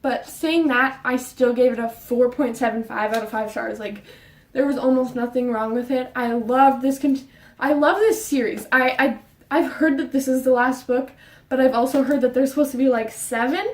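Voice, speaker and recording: A young woman vlogging casually about books, talking fast and rambling, a bit out of breath. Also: high voice, steady tone, recorded from a distance. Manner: fast, rambling, with fillers and restarts. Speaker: book vlogger. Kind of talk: casual book chat. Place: her bedroom. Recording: roomy sound, voice off-mic.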